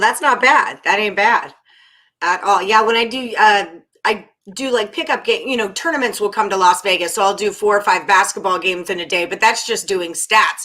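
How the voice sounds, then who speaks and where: Podcast co-host, a woman with a bright voice who asks friendly questions. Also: fairly low pitch. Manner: friendly, prompting questions, laughs easily. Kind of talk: casual podcast chat.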